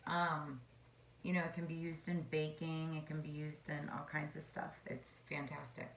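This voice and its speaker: A woman with a hoarse voice giving a casual tarot card reading, chatty and meandering as she muses aloud. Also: sits low, completely flat delivery, normal speed, a little hiss or hum. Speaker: tarot reader. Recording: echoey room.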